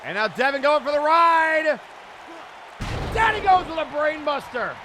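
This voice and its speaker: High-pitched excited male wrestling commentator over crowd. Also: unhurried. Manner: excited, exclamatory calls. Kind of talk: live sports commentary. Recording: noisy event audio with loud crowd. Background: crowd and arena noise.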